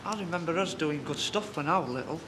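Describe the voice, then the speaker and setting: A hopeful son, as an actor plays him, earnest and pleading with his father. His voice is fairly high, and a clear hum runs behind it. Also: fast talker, lightly acted. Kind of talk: TV soap drama acting.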